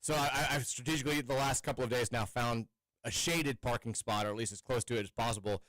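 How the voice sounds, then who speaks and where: A man's voice: medium pitch, fairly even intonation, fast, fairly bright tone, no room sound, rough recording. A man hosting a sports radio show in a studio, chatting loosely with frequent restarts. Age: adult with kids. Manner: rambling, chatty, with many restarts. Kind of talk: casual sports radio chat. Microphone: studio microphone.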